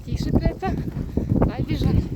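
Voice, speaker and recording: High-voiced woman on horseback outdoors. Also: moderate pace. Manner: calls out to horses, urging and soothing. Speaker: horse owner vlogger. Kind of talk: casual vlog narration while riding. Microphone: camera carried while riding. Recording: loud outdoor noise, hoofbeats. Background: loud hoofbeats and outdoor noise.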